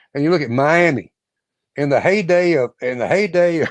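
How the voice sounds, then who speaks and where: The speech moves at a fairly slow pace with ordinary pitch variation, recorded dry and close with no echo against a quiet background. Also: man. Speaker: pro wrestling announcer. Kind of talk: interview answer.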